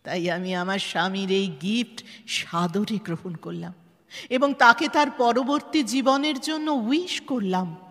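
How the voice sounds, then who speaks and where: An actress playing a resolute, inspiring disabled woman in a Bengali audio drama, speaking emphatically with dramatic pauses and a Bengali accent, switching into English. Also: mid-range voice, a bit bright. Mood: calm, resolute. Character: resolute, inspiring disabled woman painter who overcame despair. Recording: reverberant hall effect under music.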